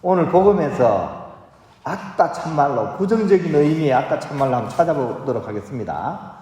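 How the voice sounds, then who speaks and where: A man's voice: fairly high pitch, big pitch swings, fairly quick, mellow, a little hiss or hum. A man, a Catholic priest, reading the Gospel and then giving a playful homily that coaxes the congregation to join in. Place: large church. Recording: echoey church hall.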